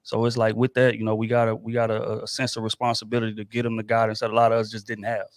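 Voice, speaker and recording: A man's voice: fairly low pitch, monotone, rapid-fire, no echo, clean studio sound. A male host of a casual chat show, talking in a laid-back, slangy way with many fillers.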